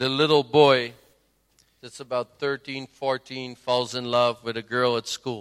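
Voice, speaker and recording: Speaking very slowly in a flat monotone at a medium pitch, a man is recorded with a dry, close sound and no echo. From Netherlands. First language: Dutch (speaking Spanish). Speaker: evangelist. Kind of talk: testimony.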